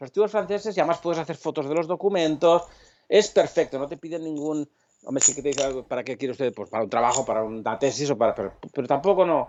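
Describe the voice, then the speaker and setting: Speaking very fast, a man uses lively intonation at a fairly high pitch. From Spain. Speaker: historian. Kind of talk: interview. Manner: animated.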